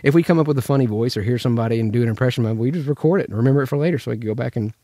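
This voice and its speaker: A man's voice: mid-range voice, rapid-fire, warm tone, no room sound. Casual man teaching, in a dry recording. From Memphis, United States. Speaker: voice actor teaching character voices. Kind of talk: casual instructional chat.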